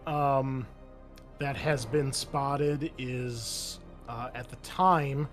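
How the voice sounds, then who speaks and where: Low-voiced man running a tabletop game. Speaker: game master. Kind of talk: casual explanation to tabletop game players. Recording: background music behind the voice.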